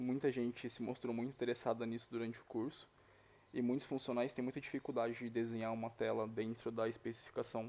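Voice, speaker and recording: A very fast, monotone, flat delivery with a dark, mellow tone. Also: man, medium pitch for a man. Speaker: SAP instructor. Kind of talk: tutorial.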